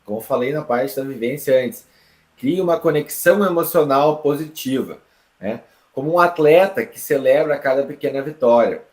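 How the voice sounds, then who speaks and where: A Brazilian man teaches an online lesson with a voice of middling pitch. His delivery is lively and explanatory, full of quick checks on the listener. The room around him gives a clear echo. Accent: Brazilian Portuguese. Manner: lively, explanatory, with frequent tag questions. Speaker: English teacher.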